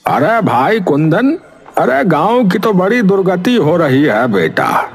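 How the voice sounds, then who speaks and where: A man playing a high-pitched, creaky village headman. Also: wildly swooping pitch, slow, soft background music, exaggerated voice. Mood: concerned. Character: beleaguered village headman, fatherly, grumbling but obliging. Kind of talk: animated moral story dialogue.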